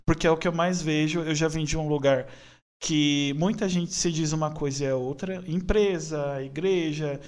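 Earnest young São man, slightly high. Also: fairly even intonation, normal speed, a little mellow. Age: 20s. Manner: earnest, opinionated, rambling with restarts. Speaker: podcast guest. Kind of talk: casual podcast conversation.

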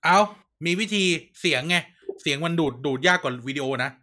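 A man's voice: a little high, a little fast, bright, forceful tone. A man co-hosting a casual political chat show, joking and playfully crude. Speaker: co-host.

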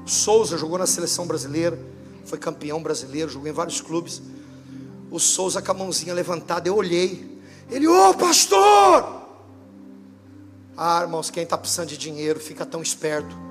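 A Brazilian man preaching a sermon as pastor, telling funny stories and acting out the dialogue. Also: fairly high pitch. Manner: lively humorous storytelling, acting out dialogue. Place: church service.

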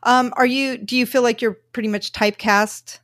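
A woman's voice: a little high, steady tone, normal speed, fairly bright tone, no room sound, clean studio sound. A woman hosting a casual interview, asking curious follow-up questions. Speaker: podcast host.

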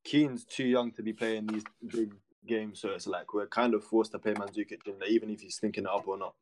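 Young London roadman-style man, low-pitched and blunt. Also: fairly even intonation, brisk, a little mellow, slight background noise, low-quality recording. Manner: blunt, emphatic. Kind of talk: casual football debate.

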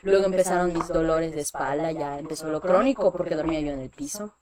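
A young Mexican woman with a Mexican accent, telling personal stories in a casual chat, full of fillers and animated asides. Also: sits low, fast. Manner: chatty, animated, many fillers like "este". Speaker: guest.

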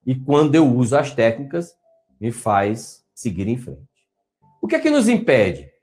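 A man's voice: mid-range voice, measured pace, faint music behind. A man with a Brazilian Portuguese accent, giving a motivational talk as a coach and coaxing his audience to answer. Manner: animated, coaxing, asks listeners to answer.

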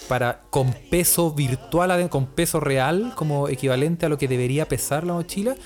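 A man's voice: fairly high pitch, normal speed, a little mellow, soft background music. Chilean man swearing through a casual rant. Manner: heavy slang and swearing, exasperated comic exaggeration. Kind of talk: casual comic storytelling chat.

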